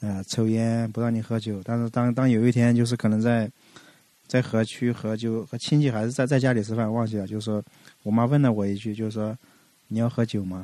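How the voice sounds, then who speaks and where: A man's dark, mellow tone delivered in a monotone, flat intonation. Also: medium pitch for a man, fairly quick pace. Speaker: podcast guest. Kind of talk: casual chat.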